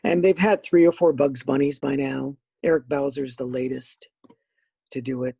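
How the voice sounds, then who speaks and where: A middle-aged man with a raspy voice, a voice actor chatting as a podcast guest in an animated, rambling way. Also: medium pitch, normal speed, dry recording. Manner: animated, rambling with many fillers. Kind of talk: casual podcast interview.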